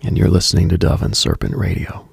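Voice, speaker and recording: A man hosting late-night radio with a brooding, deliberate scripted monologue in a hushed, husky, gravelly voice. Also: low voice, completely flat delivery, no echo.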